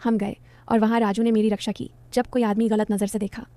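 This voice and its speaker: A woman's voice: medium pitch, level tone, brisk, dark tone, dry recording. A woman narrating a story in the first person, in a confiding, dramatic way.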